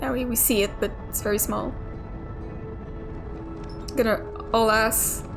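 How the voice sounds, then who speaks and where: In unhurried, fairly even tones, a young woman with a voice on the high side offers casual let's play commentary. She reasons out loud and curses here and there, while the game's music is clearly heard in the background.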